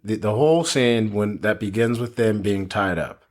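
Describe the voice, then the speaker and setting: A man's voice: on the low side, normal speed, darkish tone. A man co-hosting a podcast, talking casually and quoting films in put-on voices. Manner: laughs often, quotes films in put-on voices. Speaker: podcast co-host. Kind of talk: casual chat.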